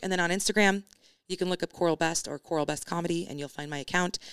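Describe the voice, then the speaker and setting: A woman with an American accent and fairly low pitch speaks very fast with ordinary pitch variation, in a very clean recording with a silent background and a dry, close sound with no echo. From Sunnyvale, California. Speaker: stand-up comedian. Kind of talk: casual chat.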